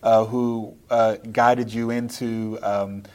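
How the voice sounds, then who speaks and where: A man's voice: fairly low pitch, little pitch movement, takes it slowly, darkish tone. Eager man hosting a podcast. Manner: eager, with frequent filler words. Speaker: podcast host. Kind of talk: podcast interview. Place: live at a conference.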